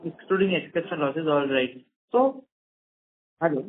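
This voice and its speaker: A man with a distinctly high voice and an Indian accent. He asks business questions as an analyst on a call. The sound is narrow, like a telephone. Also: animated, normal speed, a little hiss or hum. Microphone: telephone conference call. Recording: narrow tinny phone line.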